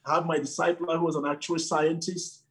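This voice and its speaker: A man's voice: fairly high pitch, fairly quick, breathy edge. A man who leads a church, talking about his early years in an interview with lots of fillers. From Nigeria. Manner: animated storytelling with frequent fillers. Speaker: church leader. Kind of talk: casual interview talk.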